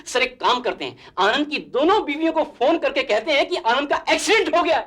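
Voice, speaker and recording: An actor playing an eager, scheming office sidekick in a sitcom. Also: male voice, very high voice, animated, fairly quick, a bit bright. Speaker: office worker. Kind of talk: sitcom acting.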